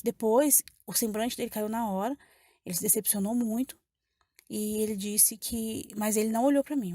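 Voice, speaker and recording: A woman with a Brazilian Portuguese accent gives an emotional personal testimony to a church congregation, repeating phrases as she tells her story. Her voice is medium in pitch with a dark tone, and the recording is dry and studio-clean.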